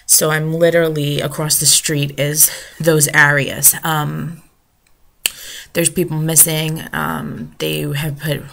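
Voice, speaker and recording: An American woman giving an unscripted, serious personal vlog account in a halting, rambling way, with a gravelly fry in her voice. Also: low voice, little pitch movement, a bit bright, a little hiss or hum. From United States, New Jersey shore. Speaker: vlogger, storm survivor.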